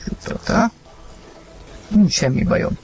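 A man reading a story aloud, narrating and acting the husband's lines with sudden loud outbursts. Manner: acted, rising to shouts in heated lines. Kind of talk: dramatized audiobook reading.

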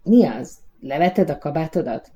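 An actress playing a coaxing, impatient prima donna in a radio play. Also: female voice, low-pitched, expressive, dark tone. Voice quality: theatrical, coaxing.

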